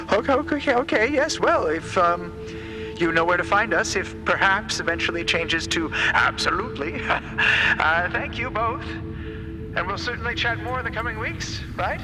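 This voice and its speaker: An actor playing a flustered, eager and deferential space explorer who stammers and rambles in a podcast drama. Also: male voice, high voice, animated, measured pace, music in the background, rough recording. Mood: awkward, flustered. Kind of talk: fiction podcast character acting.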